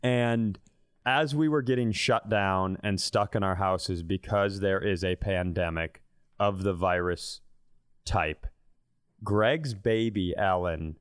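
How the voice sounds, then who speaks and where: A man's voice: sits low, takes it slowly, clean tone, no room sound. Irreverent man telling comic stories, dry close sound. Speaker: comedy podcast co-host. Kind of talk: casual comedic storytelling.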